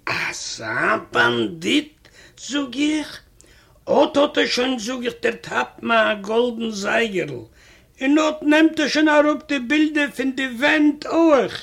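A man's voice: very high voice, expressive, takes it slowly, vocal fry, a bit bright. A man reading a comic first-person story aloud in a chatty manner, retelling a quarrel and repeating "I say" again and again.

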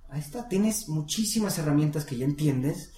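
Patient coaching teacher, echoey room. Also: female voice, sits low, animated, normal speed, warm tone. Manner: patient, coaching, models pronunciation. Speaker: English teacher. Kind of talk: one-on-one language lesson.

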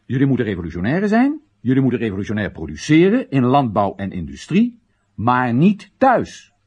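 Ironic male Chinese citizen, radio play monologue, emphatic, halting phrases, very husky, swinging pitch. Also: huge pitch swings, darkish tone. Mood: agitated, exhorting. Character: exasperated, ironic Chinese male citizen addressing his comrades.

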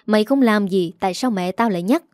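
A drunk, jealous husband sneers and hurls accusations in a spoken story, voiced by a woman reader. His tone is warm and mellow even when harsh. The sound is dry and close. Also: mid-range voice, quick pace, no echo, natural voice. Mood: bitter, accusing. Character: drunk jealous bullying husband, middle-aged man.

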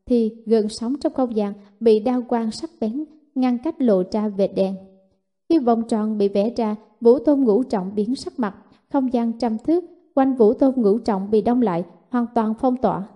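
A woman narrating a martial fantasy novel in steady, even storytelling. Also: a little high, measured pace. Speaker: audiobook narrator.

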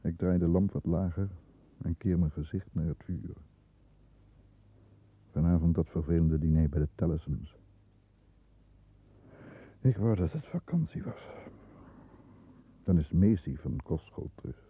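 An actor playing a stern, disdainful middle-aged lawyer who narrates his own thoughts in a measured way in a 1960s radio drama, heard on a muffled old recording. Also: low-pitched, breathy edge, dry recording. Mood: reflective, severe. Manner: measured, introspective first-person narration.

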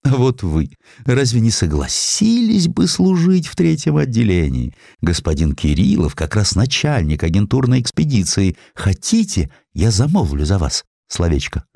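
A man's voice: fairly low pitch, wildly swooping pitch, normal speed, gravelly, dark tone, dry recording, studio quality, pitched above the performer's own voice, full character voice. A man voicing an ageing, gossipy society widow who is sentimental and coquettish in an audio drama. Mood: confiding.

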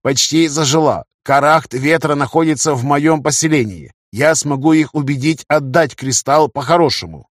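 A man's voice: a little high, moderate pace, few pauses, no room sound, studio quality, pitched above the performer's own voice, close to an everyday voice. A man voicing a terse, grumbling and earnest tribal girl in a fantasy audiobook, speaking in blunt statements. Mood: matter-of-fact. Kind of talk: audiobook character dialogue.

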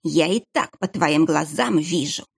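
A woman voicing a cruel, sinister monk who hisses his words slowly. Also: low-pitched, creaky, slightly rough, exaggerated voice. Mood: menacing hiss. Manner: hissing, slow and drawn out. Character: sinister hooded male monk, menacing and cruel.

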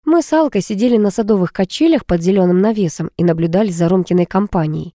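A woman narrating a first-person story aloud, lively and teasing, with expressive dialogue. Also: mid-range voice, fast, no room sound, studio quality. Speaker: audiobook narrator.

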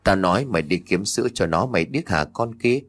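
A possessed young man snarls rude threats in a low, gruff voice, as a male storyteller plays him. His delivery swings sharply between growls and rises. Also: animated, brisk. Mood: menacing.

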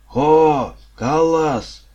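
A man voicing a mocking male captor who jeers loudly at his prisoners. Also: on the low side, steady tone, moderate pace, highs cut off, natural voice.

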